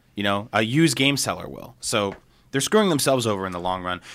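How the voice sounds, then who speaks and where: A man's pitch swings very widely in a very clean recording with a silent background. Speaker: video game journalist. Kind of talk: casual chat.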